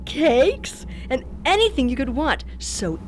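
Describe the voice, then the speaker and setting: A woman's voice: high-pitched, big pitch swings, a little hiss or hum, heavily acted. A woman playing an old grandmotherly hostess who tells spooky stories in a radio play, theatrical, doting and sinister. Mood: sweetly menacing. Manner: theatrical, drawn-out, cooing.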